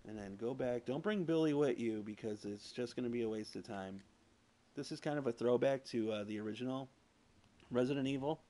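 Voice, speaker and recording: A man's voice: medium pitch, fairly quick, warm tone. A man streaming a video game, rambling casually with lots of "like" and swearing over a console streaming mic. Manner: rambling and crude, heavy use of "like" and swearing. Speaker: gameplay streamer. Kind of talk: casual let's-play commentary. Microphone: PS4 streaming mic. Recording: noisy home stream audio.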